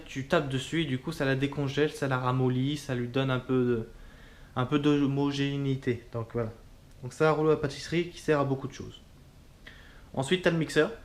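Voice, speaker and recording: A man casually demonstrating kitchen tools as a cooking instructor, chatty and informal, often pausing with fillers. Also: mid-range voice.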